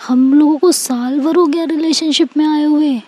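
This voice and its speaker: A woman's voice: high-pitched, steady tone, normal speed, warm tone, voice pushed up, close to an everyday voice. A woman voicing a jealous, bossy young woman who talks to her girlfriend with sarcasm and demands.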